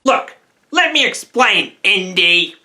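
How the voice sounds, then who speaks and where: A woman voicing a gloomy, self-blaming young male superhero in an amateur fan film, talking in a halting, rambling way. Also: medium pitch, expressive, pushed and bright, full character voice. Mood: confessional. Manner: mopey, halting, rambling confession.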